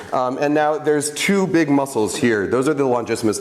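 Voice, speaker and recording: A man with an American accent, with noticeable background noise and audible room echo. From New York City. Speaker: food writer and chef. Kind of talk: lecture with live demo. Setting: stage with audience. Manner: fast; many fillers and restarts.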